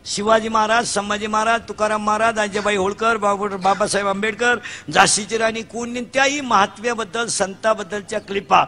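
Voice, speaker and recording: A middle-aged man from Maharashtra delivering a comic devotional sermon. He tells stories fast, acts out the characters and shouts the punchlines. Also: high-pitched, steady tone. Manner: rapid storytelling, acting out characters, shouting punchlines. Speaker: kirtan preacher.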